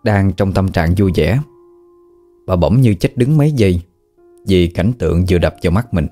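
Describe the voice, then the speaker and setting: Southern vietnamese guy telling a ghost story, real deep mellow voice, soft music behind. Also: animated, moderate pace. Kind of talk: scripted ghost-story narration. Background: faint background music.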